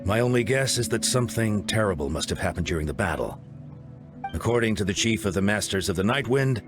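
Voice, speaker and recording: An actor playing a grave, composed tribal leader in a video game, speaking in a formal, measured way. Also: male voice, sits low. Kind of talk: scripted game voice acting.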